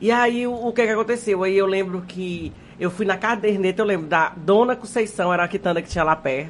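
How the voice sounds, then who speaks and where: In a Piauí accent, a woman talks at a fairly quick pace with hardly any pauses, using a medium pitch and ordinary pitch variation. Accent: Piauí accent, sing-song. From Piauí, Brazil (Teresina). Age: 40s. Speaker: journalist and blogger. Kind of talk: podcast interview.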